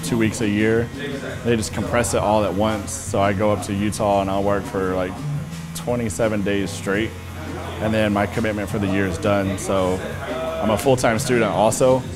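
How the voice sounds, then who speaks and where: Easygoing guy w a lowish voice rambling in the barber chair, music going behind. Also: steady tone, normal speed. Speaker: barbershop client. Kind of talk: casual chat. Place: barbershop, indoors.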